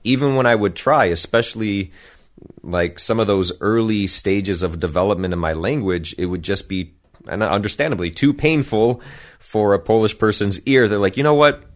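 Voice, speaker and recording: American man, very low voice, profane, animated, podcast guest. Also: moderate pace. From United States. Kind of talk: casual storytelling.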